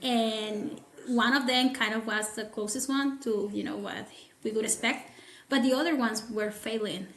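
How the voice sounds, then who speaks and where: Woman guest, podcast chat, measured and hedging, slightly high voice, echoey room. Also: fairly even intonation, fairly bright tone. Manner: thoughtful, hedging with many fillers. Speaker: guest toxicologist. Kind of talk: casual podcast conversation. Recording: roomy echo.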